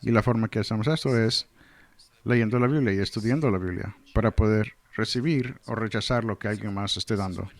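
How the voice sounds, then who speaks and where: A man's voice: on the low side, brisk, dry recording. A man delivering a verse-by-verse sermon in translation, earnestly reading scripture and explaining it. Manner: earnest, explanatory, reads scripture then comments. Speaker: Spanish translator of a pastor's sermon.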